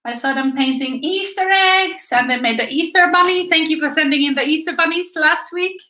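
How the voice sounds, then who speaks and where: A woman's voice: high-pitched, moderate pace, pushed and bright. A woman in her thirties with a Swedish accent, chatting to viewers as she leads a live paint-along lesson. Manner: chatty, encouraging, talks to viewers while painting. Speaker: art teacher. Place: small indoor room by an easel. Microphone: camera a few feet away, turns away at times. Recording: echoey room.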